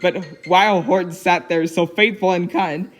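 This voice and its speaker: A woman's voice: on the low side, fairly even intonation, moderate pace, faint music behind. A woman giving a dramatic, playful reading of a children's storybook, given to giggling. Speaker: story reader.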